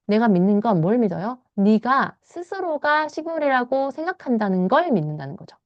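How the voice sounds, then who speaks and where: Korean teacher reading English slowly aloud. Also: female voice, on the high side, big pitch swings, no room sound, lo-fi sound. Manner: reads English lines slowly, then explains in quick Korean. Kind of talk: bilingual read-aloud lesson, explaining a novel.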